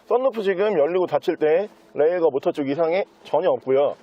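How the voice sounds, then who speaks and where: A man giving an unscripted sales walkthrough as a used car dealer, with smooth, practised salesman patter. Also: fairly high pitch, lively intonation, fairly quick. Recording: dull, muffled lo-fi sound.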